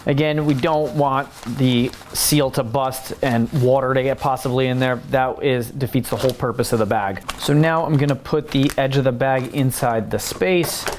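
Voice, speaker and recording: A man's voice: medium pitch, moderate pace, few pauses, slight background noise. Chatty man teaching home cooking. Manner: relaxed, chatty, explains as he works. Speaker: home cooking channel host. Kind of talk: casual step-by-step cooking tutorial. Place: home kitchen.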